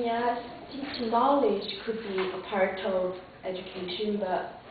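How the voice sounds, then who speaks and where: A woman's voice: mid-range voice, a little hiss or hum. A young woman with a Korean accent answering in a job interview, earnest and a little hesitant. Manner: earnest, hesitant with restarts and fillers. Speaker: job applicant for English teacher. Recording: distant echoey lo-fi phone-like room recording.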